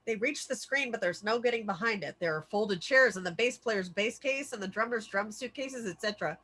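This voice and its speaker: A woman's voice: mid-range voice, animated, a little fast, a bit bright. A woman narrating the scene headings and action lines of a screenplay at a table read. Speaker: stage-direction reader. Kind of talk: scripted narration of screenplay directions.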